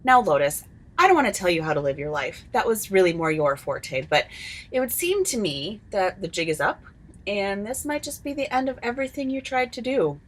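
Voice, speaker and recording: A woman's voice: mid-range voice, very animated, fairly quick. A woman playing a sly wasteland character who reveals a plot in a comedy sketch. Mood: conspiratorial. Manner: conspiratorial, sly, dramatic.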